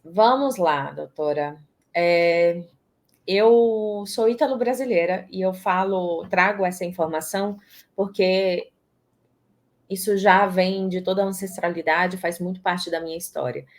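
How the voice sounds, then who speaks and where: A woman's voice: on the low side, unhurried. A woman from Salvador, talking expressively in an interview and often restarting her words. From Brazil, Salvador, Bahia. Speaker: guest, systemic positioning strategist. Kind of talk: casual interview talk.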